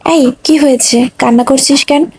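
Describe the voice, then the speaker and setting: A stern young man who scolds firmly yet cares deeply, as a woman reads him aloud in a storybook. The voice sits high and mellow. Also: steady tone, normal speed, breathy edge, low-quality recording. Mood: teasing. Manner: scolding, firm. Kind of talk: audiobook reading.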